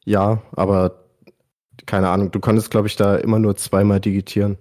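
A man's voice: on the low side, little pitch movement, moderate pace, a little mellow. A man chatting casually and informally about video games as a podcast guest, using youthful slang. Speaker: podcast guest presenting his favourite games.

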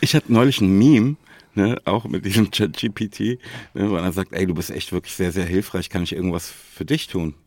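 Very deep-voiced, laid-back man. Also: fairly quick, darkish tone, no room sound. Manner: laid-back, colloquial, often tags phrases with "ne". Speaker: podcast co-host. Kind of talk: casual podcast chat.

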